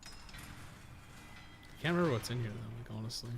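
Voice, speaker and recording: A podcast co-host playing a game offers casual commentary, rambling, thinking aloud and swearing casually. He speaks a little slowly at medium pitch, over clear, steady background noise.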